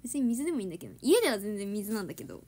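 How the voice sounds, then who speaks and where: A woman's voice: medium pitch, very animated, very fast, dark tone, slightly rough. A young woman chatting casually on a livestream, giggling and answering viewers' comments. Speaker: idol trainee livestreaming to fans.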